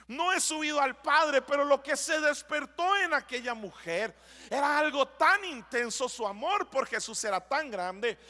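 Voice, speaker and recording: A man preaching a language sermon as a pastor, reading scripture slowly and building to emphatic declarations. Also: very high-pitched, pushed and bright. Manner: reads scripture slowly, then preaches with rising intensity. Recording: long church hall reverb.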